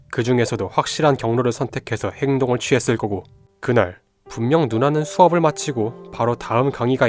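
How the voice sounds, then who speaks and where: Man as young amateur sleuth in radio mystery. Medium pitch, analytical, assured, music underneath. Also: lightly acted. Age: young adult. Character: sharp young male amateur detective, piecing clues together. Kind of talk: audio drama acting, deductive monologue.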